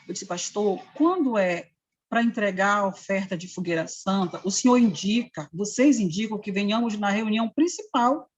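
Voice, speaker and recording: A middle-aged woman with an Amapá Brazilian Portuguese accent recounts a personal story, slipping into the voices of the people she quotes. Her voice is husky and a little breathy, at a medium pitch. The recording sounds dull and lo-fi. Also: moderate pace. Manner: earnest storytelling, acting out quoted dialogue. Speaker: interviewee. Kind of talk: personal testimony.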